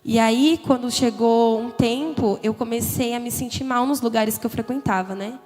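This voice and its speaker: A young woman with a São lilt, her voice sitting a little high, tells her own story to a church youth gathering. She talks candidly and conversationally, with a lot of feeling, and her words ring out in a big hall with long reverb and faint music underneath. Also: normal speed. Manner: candid, conversational, emotional, frequent "né?" tags. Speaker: testimony speaker. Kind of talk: personal testimony at a church youth congress. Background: soft background music.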